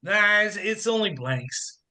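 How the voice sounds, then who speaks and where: A man's voice: high-pitched, animated, takes it slowly, bright, forceful tone, full character voice. An actor playing a volatile, self-pitying jilted man in a comic radio play, agitated and stammering. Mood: sheepish. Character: volatile, desperate jilted man, ex-chorus performer turned hostage-taker.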